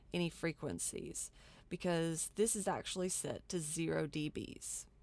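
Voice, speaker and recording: Fairly slow pace and fairly low pitch from a woman. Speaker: mixing engineer teaching online. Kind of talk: tutorial. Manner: casual.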